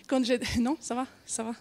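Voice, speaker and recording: A Swiss woman in her forties with a Genevan French accent gives an informal conference talk, hesitating with many fillers, restarts and frequent small laughs. Her voice is a little high and darkish, with little pitch movement and a measured pace.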